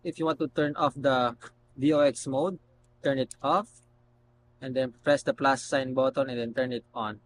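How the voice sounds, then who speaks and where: A man doing a casual, unscripted product demonstration, explaining step by step in a halting way. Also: mid-range voice, steady tone. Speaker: product reviewer. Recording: noticeable background noise and hum.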